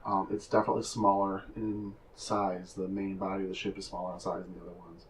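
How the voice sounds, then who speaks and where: A man's voice: low voice, level tone, fast, a little hiss or hum. Hesitant male game master, distant mic. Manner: hesitant, filler-heavy describing. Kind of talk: narrating a tabletop game.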